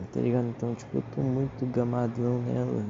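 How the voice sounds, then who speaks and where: There is noticeable background noise behind this recording. A man speaks at a moderate pace. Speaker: amateur podcaster. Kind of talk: casual monologue. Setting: bedroom at night, phone recording. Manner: soft-spoken. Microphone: phone mic, muffled.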